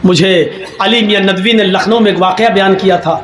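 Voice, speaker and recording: A man preaching a humorous storytelling sermon, animated and breaking into shouts for emphasis. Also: sits high. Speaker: Islamic preacher. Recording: echoey hall, faint background noise.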